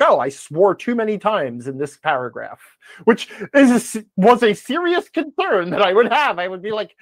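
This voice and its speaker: In a dry recording, a man whose voice runs on the high side chats casually as a podcast guest and game advice blogger. His talk rambles, and he quotes himself with self-deprecating humor throughout the interview.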